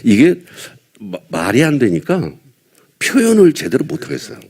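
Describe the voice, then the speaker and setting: Older man with a husky, animated voice. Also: mid-range voice, moderate pace. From Seoul, South Korea. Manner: rambling, self-deprecating, chuckling between thoughts. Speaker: veteran actor at a film press event. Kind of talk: casual press-conference chat.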